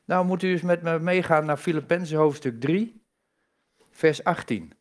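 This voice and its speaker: A man's voice: on the high side, normal speed. A man giving a sermon in a conversational way, asking the congregation rhetorical questions and stressing key words. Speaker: preacher.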